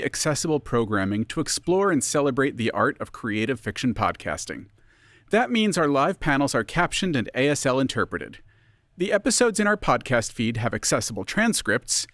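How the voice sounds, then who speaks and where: A man's voice: mid-range voice, very animated, moderate pace, fairly bright tone, no echo, studio quality. A man reading a scripted promotional appeal as a festival announcer.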